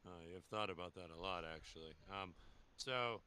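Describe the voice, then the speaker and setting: A laid-back man chatting casually as a tabletop player, voice on the low side. He jokes about his character, with clear noise in the background of the recording. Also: moderate pace, pushed and bright. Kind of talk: casual game chat.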